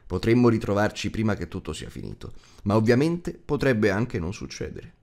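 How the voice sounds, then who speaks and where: A man's voice: lowish voice, sing-song, normal speed, creaky, a little mellow. A man voicing a stern, commanding old wizard in an audiobook, admonishing and teasing with emphatic delivery. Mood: firm, encouraging. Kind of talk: audiobook character acting.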